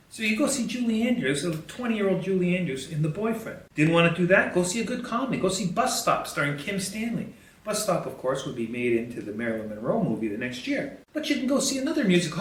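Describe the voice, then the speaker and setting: Here the same history podcast host speaks in a high voice over slight background noise, mixing lively commentary with headlines he reads out. He talks in a chatty, colloquial, emphatic style, and the room is echoey with the mic set far away.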